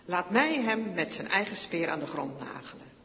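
A man's voice: high-pitched, big pitch swings, normal speed, sharp tone, in a large hall, slight background noise, exaggerated voice. A man voicing the soldier Abisai, urgent and eager.

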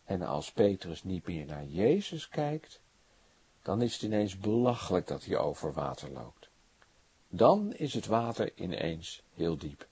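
A male preacher delivers a sermon at a slow, deliberate pace, telling the story with dramatic flair. His voice is mellow and a little husky, and his pitch rises and falls over a very wide range. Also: big pitch swings. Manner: dramatic storytelling with wide swings between soft and emphatic.

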